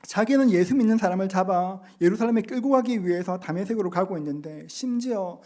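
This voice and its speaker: Earnest man preaching, mellow voice. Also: high voice. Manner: earnest, slows to read scripture and act out quotes. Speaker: pastor. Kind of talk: sermon. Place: church sanctuary.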